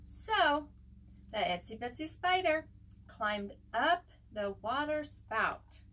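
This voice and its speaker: A woman reading a picture book aloud in an expressive, simple way for young children, as a preschool teacher would. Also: high voice, slow pace. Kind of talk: children's storybook read-aloud. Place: at home. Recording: home recording with faint background noise.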